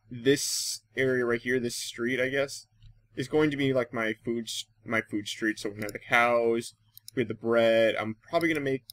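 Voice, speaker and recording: A man's voice: mid-range voice, fairly bright tone. An American man from Wisconsin giving casual Let's Play commentary, rambling and thinking aloud as he goes. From Wisconsin, United States. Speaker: gaming YouTuber and host.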